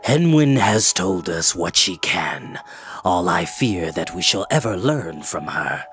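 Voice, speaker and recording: A man voicing a grave, troubled aged enchanter in a fantasy story, speaking slowly and haltingly. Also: deep voice, big pitch swings, a bit bright, voice pushed down, exaggerated voice. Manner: slow, halting, solemn. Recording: music playing in the background.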